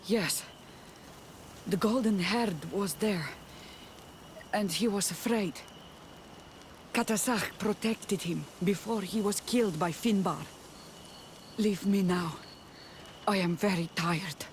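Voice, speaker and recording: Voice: medium pitch, slow pace, long pauses, a little hiss or hum, close to an everyday voice. An actor playing a solemn, mystical tribal seer, grave and wary, with formal, weighty phrasing in a fantasy game. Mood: shaken, weary. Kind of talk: fantasy video game cutscene acting.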